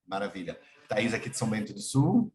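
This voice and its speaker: A man's voice: fairly low pitch, very animated, brisk, a little mellow, slight background noise. Upbeat Brazilian man hosting a video call. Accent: Brazilian Portuguese. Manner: upbeat, introduces guests one by one. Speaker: host and moderator of an online session.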